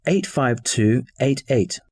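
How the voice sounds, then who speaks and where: A man's voice: medium pitch, animated, darkish tone. A man acting a customer in scripted listening dialogues, casually spelling out names and numbers. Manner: spells and reads out details slowly, casual.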